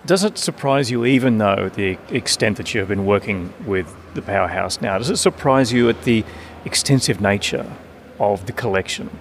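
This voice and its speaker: A man hosting a radio interview in a smooth, conversational presenter manner. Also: on the low side, moderate pace, slight background noise.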